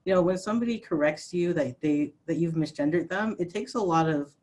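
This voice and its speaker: A trans trainer with a fairly high voice, moderating a panel discussion. They explain ideas calmly and patiently, often pausing with "um", in a mid-range pitch over a video call. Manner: calm, explanatory, with frequent "um".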